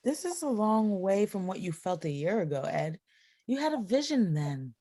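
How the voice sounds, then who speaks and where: A woman reading the part of an earnest, idealistic colleague in a stage play, with slow, deliberate delivery over a video call. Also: mid-range voice, very animated, warm tone, no echo. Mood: gently reproachful. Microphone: video call microphone.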